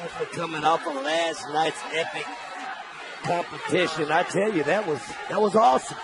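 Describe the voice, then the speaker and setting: High-pitched man, informal wrestling commentator. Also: normal speed. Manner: punchy, appreciative interjections. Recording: clear arena noise behind.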